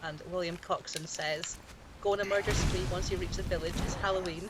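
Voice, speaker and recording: Over noticeable background noise, a speaker with an Edinburgh accent talks at a fairly quick pace. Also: woman. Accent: Edinburgh Scottish. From Scotland, Edinburgh. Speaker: stream co-host reading chat. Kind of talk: casual chat, reading chat messages aloud.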